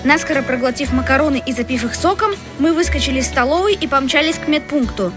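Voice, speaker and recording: A woman narrating a children's audio tale in the first person, in a brisk storytelling manner. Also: high voice. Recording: music bed under the voice.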